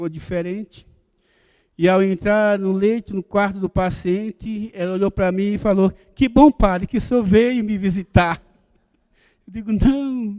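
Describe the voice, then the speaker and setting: A dark, mellow tone at a fairly slow pace, with fairly even intonation, long, frequent pauses and a dry, close sound with no echo. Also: man, high pitch for a man. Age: 60s. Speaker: pastor. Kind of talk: sermon.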